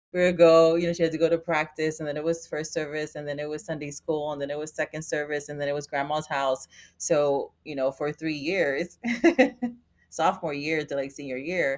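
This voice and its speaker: This woman has a very deep, low pitch. She speaks with a Chicago accent. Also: fairly quick pace. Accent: Chicago American English. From Chicago, South Side. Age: 50s. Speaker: faith and mindset coach. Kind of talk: interview. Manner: animated.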